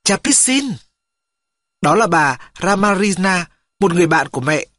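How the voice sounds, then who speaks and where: A man reading a first-person story aloud as an audiobook, steady and storytelling. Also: high voice, moderate pace, no room sound, clean studio sound. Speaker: audiobook reader. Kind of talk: scripted narration.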